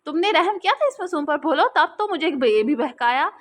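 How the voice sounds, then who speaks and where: A woman's voice: high voice, expressive, fairly quick, pitched above the performer's own voice. A woman voicing a stern, wronged older father who gives cold, harsh commands.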